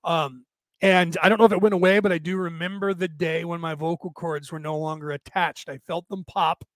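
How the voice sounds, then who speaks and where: A man with a raspy, tired, worn-out voice, talking casually and haltingly as he hosts a rambling livestream and answers listeners. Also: fairly high pitch, fairly even intonation, no room sound. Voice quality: raspy, damaged-sounding voice from long-standing vocal cord trouble. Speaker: host of a spiritual talk livestream.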